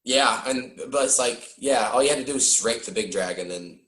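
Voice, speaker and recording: A man hosting a podcast, chatting casually about a film, animated and joking, swearing now and then. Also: mid-range voice, echoey room. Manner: animated, swearing, quick jokey impressions. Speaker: podcast host. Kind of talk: casual film-review chat.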